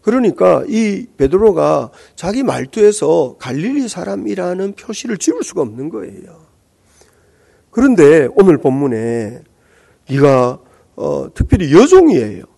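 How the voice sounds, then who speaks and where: A middle-aged male pastor with a Gyeongsang accent, preaching a sermon. He explains scripture, asks the congregation rhetorical questions and pauses on hesitant fillers. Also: a little high, big pitch swings, vocal fry, warm tone. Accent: Gyeongsang Korean.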